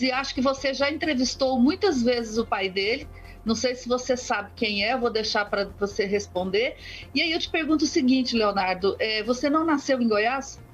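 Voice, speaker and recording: A woman hosting a radio interview, asking conversational questions with some hesitation. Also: on the high side. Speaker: radio host. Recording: dull radio broadcast with music.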